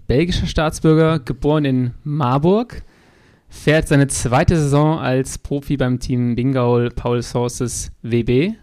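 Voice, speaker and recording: A man's voice: medium pitch, darkish tone. Chatty male podcast host. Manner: chatty, joking, talks in long anecdotes. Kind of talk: casual interview.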